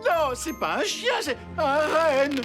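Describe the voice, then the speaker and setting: A bumbling loud clown. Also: high-pitched, lively intonation. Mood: clumsy. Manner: loud, slow, showman calls. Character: bumbling circus clown announcer. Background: cartoon music.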